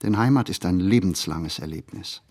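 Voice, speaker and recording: A man reads a reflective literary monologue for a radio play, phrasing deliberately and expressively with pauses. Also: low voice, a little mellow, breathy edge.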